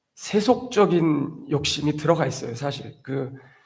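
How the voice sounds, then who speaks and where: A fairly high-pitched man with vocal fry and audible room echo. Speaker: Buddhist monk. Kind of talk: sermon. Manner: slow.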